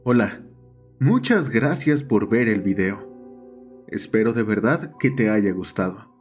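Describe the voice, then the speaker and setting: A man's voice: fairly low pitch, expressive, a little slow. A man narrating a scripted horror story as the host of the channel. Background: background music.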